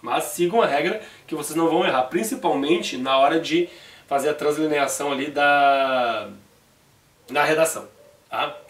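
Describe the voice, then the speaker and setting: Brazilian guy teaching grammar, kinda high voice, chatty step by step, sounds echoey n a bit far off. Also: moderate pace, a bit bright. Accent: Brazilian Portuguese. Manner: chatty, explains step by step with frequent "ó" and "tá?". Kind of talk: video grammar lesson.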